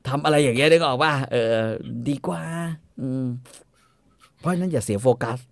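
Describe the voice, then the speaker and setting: A man's voice: on the high side, normal speed, creaky, no room sound. A middle-aged man in casual, bawdy talk, giving blunt, crude advice as a host and often repeating his phrases.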